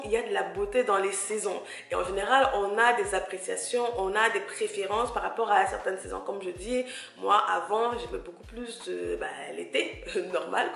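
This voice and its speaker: A woman's voice: medium pitch, gravelly, roomy sound. A woman from Cameroon, chatting casually and encouragingly to her listener as a podcast host, searching for words as she goes. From grew up in Cameroon, living in France. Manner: conversational, hesitant searching for words, addresses listener directly. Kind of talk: casual solo podcast talk, encouraging advice.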